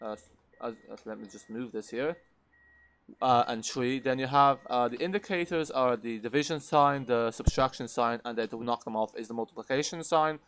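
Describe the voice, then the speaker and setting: A man's voice: mid-range voice, normal speed, fairly bright tone, slight background noise. Man giving a hesitant game review. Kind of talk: unscripted review commentary over gameplay.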